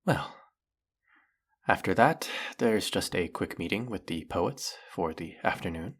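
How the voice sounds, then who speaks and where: Fantasy audio drama: man as zealous demon servant, deep husky voice, grandly reverent, flirtatious and fawning. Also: lively intonation, measured pace, full character voice. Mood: devoted, boastful. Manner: grandiose, theatrical, reverent, obsequious.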